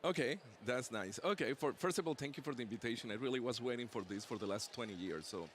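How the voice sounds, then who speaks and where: A man's voice: mid-range voice, lively intonation, fast talker, a little hiss or hum. A man, a pediatric dentist and professor, talks as an interview guest, joking playfully about his own pronunciation, recorded in a busy convention exhibit hall. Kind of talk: casual interview chat.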